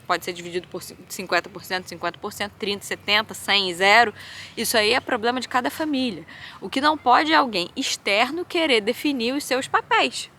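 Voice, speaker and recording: Woman in her 30s ranting on her vlog, bright voice, lots of "né" and "assim", bit of faint noise behind. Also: medium pitch. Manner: animated venting, frequent fillers like "assim" and "né". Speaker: vlogger and hospital doctor. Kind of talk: candid vlog monologue.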